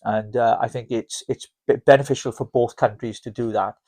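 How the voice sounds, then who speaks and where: A man's voice: medium pitch, steady tone, a little fast, a little mellow. A Welsh man hosting a podcast in a casual, jokey chat, rambling and restarting his sentences. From Wales. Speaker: podcast host.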